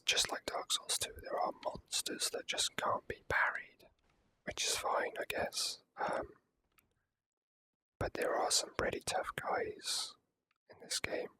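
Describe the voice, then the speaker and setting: A person whispering softly and casually as ASMR commentary over a video game. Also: low-quality recording. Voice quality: soft unvoiced whisper. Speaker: gaming video creator.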